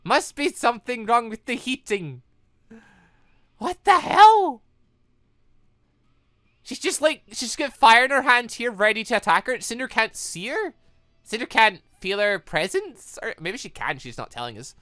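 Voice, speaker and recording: A woman giving excitable video game commentary as a let's play host, reacting out loud with exclamations. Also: fairly high pitch, measured pace, pauses often, no echo, studio quality.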